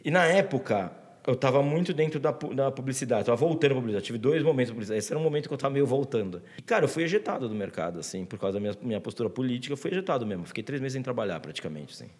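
A man with a Brazilian accent tells a long story in a loose, slangy way, stopping and restarting his phrases. He talks fast, and his voice carries a long reverb. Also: mid-range voice, expressive, a little mellow. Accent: Brazilian Portuguese. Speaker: guest author. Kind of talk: casual chat.

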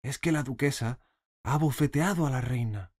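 A man's voice: medium pitch, moderate pace, no echo, studio quality, voice pushed up, lightly acted. Man doing a timid whispering white rabbit. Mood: anxious. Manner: hushed, nervous murmur.

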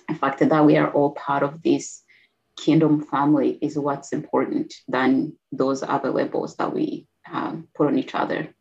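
A middle-aged woman with a Rwandan accent, a guest telling her life story quickly and earnestly, with soft laughs. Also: deep voice, gravelly, dull audio. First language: Kinyarwanda. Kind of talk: personal testimony interview.

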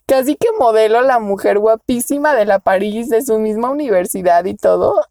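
A woman's voice: on the high side, moderate pace, vocal fry, warm tone, dry recording, studio quality. A young woman with a Mexican accent tells a dating story in casual chat, laughing often and squealing when she quotes herself. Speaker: podcast co-host.

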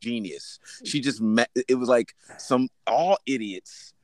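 A man chatting casually on a podcast in an excitable, slangy, swearing frat-bro manner. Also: mid-range voice, takes it slowly, dry recording. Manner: excitable, animated.

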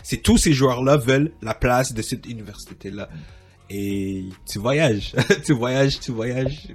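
Man, husky voice, rambling host, casual chat, faint music. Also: mid-range voice, unhurried. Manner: rambling, many restarts and fillers, laughs often. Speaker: podcast host.

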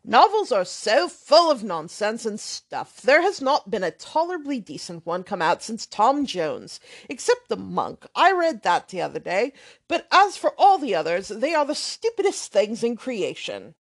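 A woman voicing a boastful, blustering young man, loud and emphatic. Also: fairly high pitch, sing-song, a little slow, exaggerated voice.

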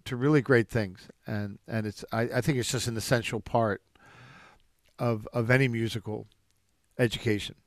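A man's voice: lowish voice, no echo. Reflective man telling stories, dry sound. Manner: reflective storyteller with frequent restarts. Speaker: jazz drummer and music educator. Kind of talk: interview answers.

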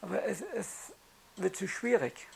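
A speaker from Austria with an Austrian accent, recalling things casually in a halting way with repeated words. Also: mid-range voice, animated, vocal fry, husky. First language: German. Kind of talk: casual spoken recollection.

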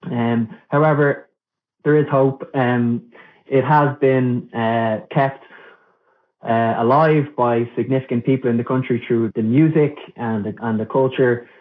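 A man's voice: medium pitch, fairly even intonation, measured pace. Irish man on a thin, phone-like line. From Ireland. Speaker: podcast guest. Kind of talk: conversational explanation in an interview. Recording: thin phone-like band-limited audio.

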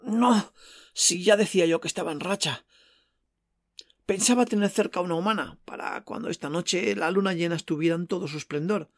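Guy doing a horny cocky werewolf telling his story in an audio play, creaky voice, echoey, music under it. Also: fairly high pitch. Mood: gloating. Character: lustful, cocky male werewolf on the prowl. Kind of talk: audio fiction acting with first-person narration.

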